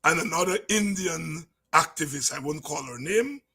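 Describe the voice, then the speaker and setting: A middle-aged Guyanese man speaks in a high, sharp voice with a gravelly edge. He talks informally but with passion, like a seasoned political commentator, hammering his points through repetition. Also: lively intonation, normal speed. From Guyana, from the countryside. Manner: emphatic, repeats words and phrases, swings from low asides to shouts. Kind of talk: impassioned informal talk with anecdotes.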